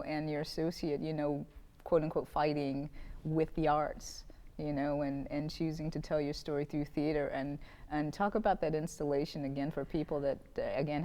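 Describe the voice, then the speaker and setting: Mellow low-voiced woman host. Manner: rambling questions, constant affirming mm-hmms. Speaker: interview host. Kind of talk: interview questions.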